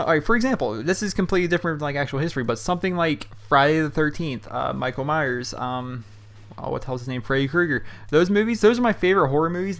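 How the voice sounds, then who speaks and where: A man's voice: a little high, a bit bright. A young man hosting a casual question-and-answer show from his bedroom, talking loosely with lots of um and you know. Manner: loose and chatty, heavy on fillers like um and you know. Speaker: YouTube host answering viewer questions. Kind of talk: casual rambling commentary. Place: his hot bedroom at home.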